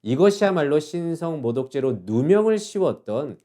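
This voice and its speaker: Male pastor, middle-aged, mellow tone; calm, measured devotional delivery with soft endings. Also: on the high side. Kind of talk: short devotional sermon.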